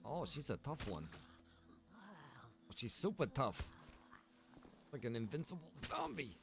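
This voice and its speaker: A man's voice: mid-range voice, big pitch swings, measured pace, vocal fry. A man chatting casually as he livestreams a game, rambling along in a laid-back way. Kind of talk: casual livestream chat while gaming.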